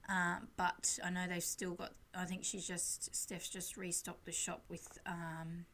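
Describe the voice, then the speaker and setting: A woman's voice: on the low side, little pitch movement, unhurried, a bit bright, slight background noise. A woman giving a casual, chatty and rambling scrapbooking voice-over as the host, with a self-deprecating way of talking. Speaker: craft channel host.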